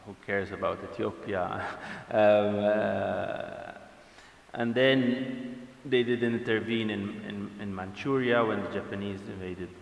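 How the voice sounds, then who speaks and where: A man's voice: fairly low pitch, steady tone, slow, gravelly. A man giving a lecture, hesitant and full of fillers and restarts. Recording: echoey lecture hall.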